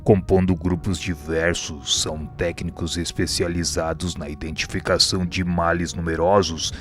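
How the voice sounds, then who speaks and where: A man playing a calm, wise, humble spirit guide in a radio drama, speaking in a measured, formal, explanatory way. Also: low-pitched, soft background music, natural voice. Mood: calm, instructive.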